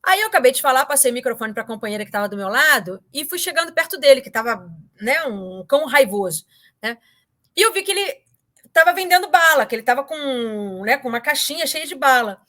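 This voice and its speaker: High, bright-voiced woman. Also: a little fast. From Brazil. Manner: animated, full of fillers and repeated words. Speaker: interview guest. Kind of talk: casual anecdotal storytelling.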